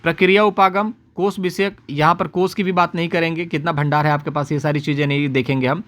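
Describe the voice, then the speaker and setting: A man's voice: a little high, steady tone, fairly bright tone. A man teaching an exam-prep lesson, who keeps repeating the key answers and tells his students to remember them. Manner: explains fast, repeats key answers and says "याद रखिएगा"; addresses students directly, quotes their comments. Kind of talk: exam paper analysis lesson.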